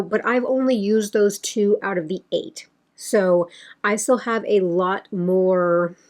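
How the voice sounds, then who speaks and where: A woman's voice: mid-range voice, a little mellow. A young woman chatting casually in a beauty vlog, rambling with many fillers, her voice slightly going. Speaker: beauty vlogger. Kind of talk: casual chat.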